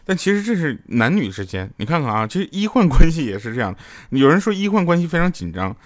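A man's voice: a little high, big pitch swings, fast. A man performing a stand-up comedy monologue, telling jokes with playful asides. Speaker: comedian and sponsor spokesman.

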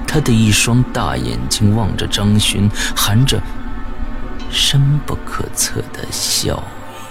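A man reading a horror story as the narrator, slow and suspenseful, with dramatic pauses. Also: lowish voice, vocal fry.

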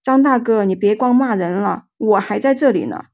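A woman's voice: mid-range voice, normal speed, lightly acted. A woman doing a coaxing ghost girl in white. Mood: sweet.

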